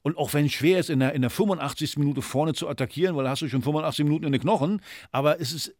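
A man's voice: on the high side, racing, a little mellow, dry recording, studio quality. A man giving casual football analysis as a podcast panelist.

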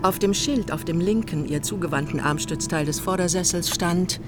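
A woman's voice: lowish voice, moderate pace, music in the background, natural voice. A woman playing a detached, matter-of-fact literary narrator in a radio drama, reading precisely.

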